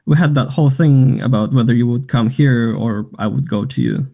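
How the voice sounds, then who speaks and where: A man's voice: medium pitch, moderate pace, vocal fry, dark tone. A man acting a flirtatious, self-assured gay man in a naturalistic table read of a play, chatty and teasing. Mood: friendly, chatty.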